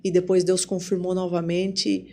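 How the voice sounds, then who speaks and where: A woman with a Brazilian Portuguese accent, a psychologist speaking as a podcast guest and telling her story in a casual, lively way, acting out remembered conversations. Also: on the low side, normal speed, creaky, a little hiss or hum. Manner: lively storyteller who acts out remembered dialogue. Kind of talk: casual spoken testimony.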